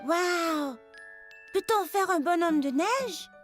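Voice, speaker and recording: A curious, eager four-year-old cartoon boy played by a woman. The small childlike voice sits very high and swings with lively intonation. Music plays underneath. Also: slow, exaggerated voice. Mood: eager, excited.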